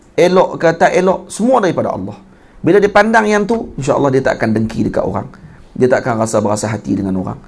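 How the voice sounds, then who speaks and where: A man with a Kedah Malay accent giving a sermon as a religious teacher, teaching with animated emphasis and slowly chanting classical Arabic text. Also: mid-range voice, gravelly.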